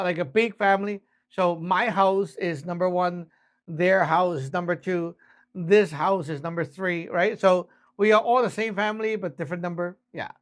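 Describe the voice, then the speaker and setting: High-pitched man giving a casual tutorial. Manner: informal, frequent tag questions like "right?" and "okay?". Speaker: instructor, channel host. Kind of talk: casual beginner tutorial, explaining step by step.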